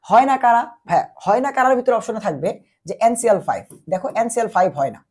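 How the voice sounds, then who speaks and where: Feverish tutor, husky voice. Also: male voice, high-pitched, sing-song, fast talker, a little mellow. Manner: repetitive call-and-answer teaching, quizzing the listener. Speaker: chemistry tutor. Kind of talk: exam-prep lecture.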